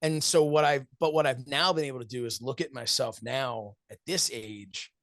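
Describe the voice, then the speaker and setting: A man's voice: medium pitch, moderate pace, a bit bright, no room sound, studio quality. A man in his forties giving earnest, reflective interview answers, telling stories and acting out what friends said, with frequent laughs. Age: 40s. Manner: earnest, storytelling, acts out quoted friends, laughs often. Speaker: wrestling commentator and show host, interview guest.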